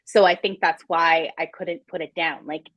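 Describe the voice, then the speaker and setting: A woman with a husky voice casually discussing books as a live show host. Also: on the low side, steady tone, normal speed, fairly bright tone, no echo.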